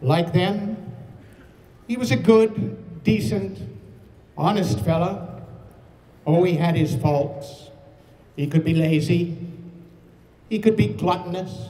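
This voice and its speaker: A man speaks very slowly, his high pitch swinging very widely. He leaves long, frequent pauses. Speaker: climate march organizer. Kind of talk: rally speech and mock eulogy. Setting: outdoors, on City Hall steps. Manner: formal, oratorical. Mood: playful mock eulogy. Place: street. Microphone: handheld.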